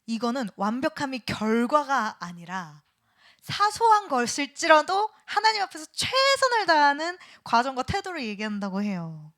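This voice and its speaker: A woman's voice: sits high, moderate pace. A middle-aged woman lecturing in a church classroom, asking the class questions and sometimes dropping to a whisper. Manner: animated, asks the class questions, drops to a whisper at times. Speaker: seminary lecturer.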